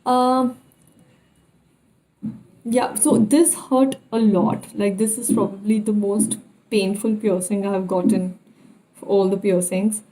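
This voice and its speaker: A young woman with an Indian English accent, telling personal experiences in a casual vlog style and pausing often to recall details. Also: mid-range voice, fairly even intonation, mellow, rough recording. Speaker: vlogger.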